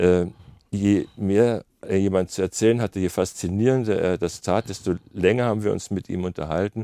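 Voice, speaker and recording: A man speaks at a moderate pace in a dark, mellow tone, his pitch fairly low and his intonation fairly even. The sound is dry and close with no echo, over a quiet background. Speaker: radio journalist and author. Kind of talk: interview.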